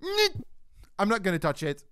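A man's voice: high-pitched, huge pitch swings, normal speed, sharp tone, clear, resonant tone, no echo, clean studio sound. A young man whose first language is Swedish, from Finland, casually chatting and joking while playing a VR game with a friend. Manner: joking, swears, laughs a lot. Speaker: gaming channel host. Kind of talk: casual co-op gameplay chat.

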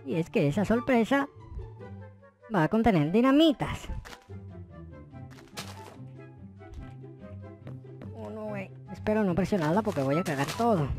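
A man with a Latin American accent playing a whiny, clumsy noob boyfriend in a melodramatic, stammering Minecraft roleplay. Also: high-pitched. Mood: sneaky, nervous. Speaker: gaming YouTuber.

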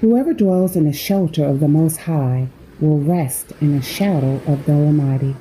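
A woman hosting a Christian sleep meditation, reading scripture in a measured way with pauses between phrases. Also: low-pitched, warm tone, slight background noise, poor audio.

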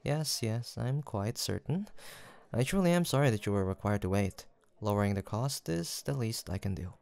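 A man with a low-leaning, gravelly yet smooth voice speaks expressively at a moderate pace, acting as a kind, gentle young village apothecary in a soft roleplay audio drama. He's polite and formal, attentively offering reassurance.

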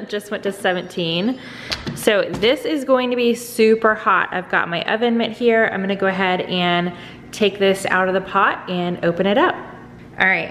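A woman's voice: medium pitch, big-room sound, a little hiss or hum. A middle-aged woman chatting casually as she walks through a cooking demonstration step by step in her home kitchen. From Texas. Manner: chatty step-by-step explaining, frequent "go ahead". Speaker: cooking vlogger. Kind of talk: casual cook-along demonstration.

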